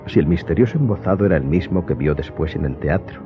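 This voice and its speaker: A man with a deep voice narrates a dramatised story with wide, expressive swings and a sense of suspense. Music plays clearly behind him. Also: fast. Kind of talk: dramatic scripted audiobook narration. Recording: dull recording under clear music.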